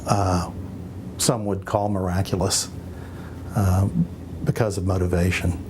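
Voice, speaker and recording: A man speaking as a neurologist, in halting, unscripted remarks during an examination and news interview. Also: deep voice, level tone, noisy background.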